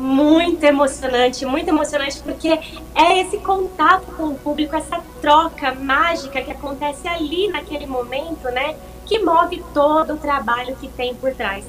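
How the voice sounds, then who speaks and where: With faint music behind her, a woman speaks at a high pitch and moderate pace with ordinary pitch variation. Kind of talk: interview answer. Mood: enthusiastic, warm. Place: home room.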